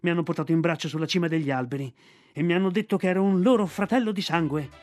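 A man's voice: on the high side, rapid-fire, darkish tone, faint music behind, lightly acted. A man voicing a cheeky, boastful boy raised in the jungle. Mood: excited, pleading.

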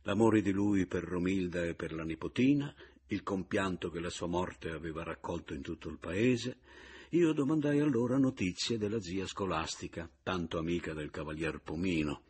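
Narrating a literary novel as an audiobook reader, a man speaks in a measured, reflective first-person voice. His voice is low and animated, with a darkish tone and a breathy edge.

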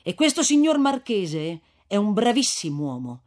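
A man voicing a resolute young man who speaks briskly and eagerly. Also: high voice, big pitch swings.

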